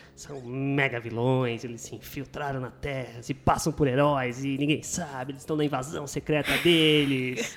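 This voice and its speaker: With an ordinary speaking voice, a man talks at a moderate pace, his fairly high pitch held in fairly even intonation. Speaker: podcast co-host and film youtuber. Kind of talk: casual chat.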